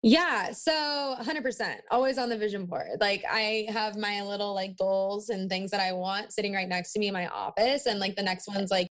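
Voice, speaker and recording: A woman's voice: mid-range voice, moderate pace, few pauses, fairly bright tone. Young woman with a valley-girl delivery. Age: 20s. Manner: peppers talk with "like" and "you know". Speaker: interview guest, marketing agency owner. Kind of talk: casual podcast interview chat.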